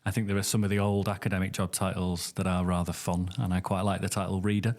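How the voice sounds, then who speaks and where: A man with a northern English accent talks as a podcast guest, in a lowish voice. He speaks in a measured, thoughtful way, restarting phrases as he works through ideas. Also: little pitch movement, a little mellow. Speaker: guest academic. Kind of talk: podcast interview.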